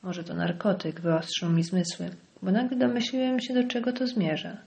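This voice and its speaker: A woman narrating an audiobook in a measured, dramatic reading. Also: lowish voice, fairly even intonation, vocal fry, a little mellow.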